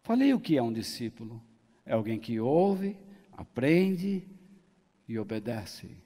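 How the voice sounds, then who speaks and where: A man's voice: mid-range voice, very animated, slow pace, dark tone. A man preaching a sermon as pastor, in a folksy way, joking and acting out the people he quotes. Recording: long hall reverb.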